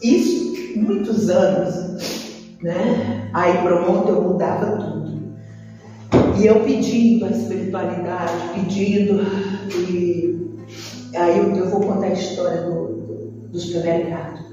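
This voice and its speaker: A woman's voice: lowish voice, a little slow, soft background music. Brazilian woman telling her story in a hall. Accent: Brazilian Portuguese. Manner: lively storytelling, addressing the audience directly. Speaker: speaker sharing a life testimony. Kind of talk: personal storytelling to a group. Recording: echoey hall, mic far off, dull sound.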